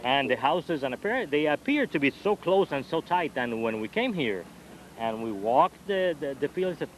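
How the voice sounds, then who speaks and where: A man's voice: fairly high pitch, big pitch swings, normal speed, poor audio. A man from Puerto Rico with a Spanish accent, answering politely as a competitor being interviewed outdoors. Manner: polite, deferential. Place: outdoors at a flying field. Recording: faint outdoor field noise.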